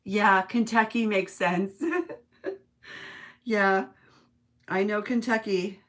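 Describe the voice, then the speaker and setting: A woman's voice: medium pitch, steady tone, slow, fairly bright tone. A woman from the United States hosting a live craft stream, chatting casually as she works, musing aloud and chuckling often. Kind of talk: casual craft-along chat, reading viewer comments.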